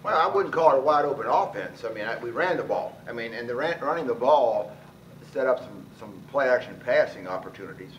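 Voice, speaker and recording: A man in his sixties, a head football coach, answering at a post-game press conference, talking quickly with many restarts and repeated words. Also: mid-range voice, animated, lo-fi sound. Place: press room with sponsor backdrop. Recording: distant mic, noisy press room.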